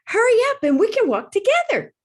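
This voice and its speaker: Woman voicing a tiny, high-pitched girl dragonfly. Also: huge pitch swings, a little fast, exaggerated voice. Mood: urging. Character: tiny chatty girl dragonfly, a loyal best friend.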